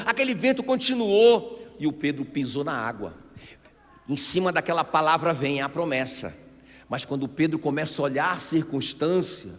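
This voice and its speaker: A Brazilian man preaching a sermon as pastor, animated and often calling out to the congregation. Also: a little high. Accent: Brazilian Portuguese. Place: church hall. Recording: long church hall reverb.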